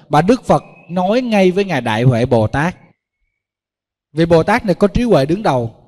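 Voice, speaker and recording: Brief monk, fairly high voice, sermon in a reverberant hall, storytelling style. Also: male voice, a little mellow. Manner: storytelling, addresses listeners directly. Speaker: Buddhist monk.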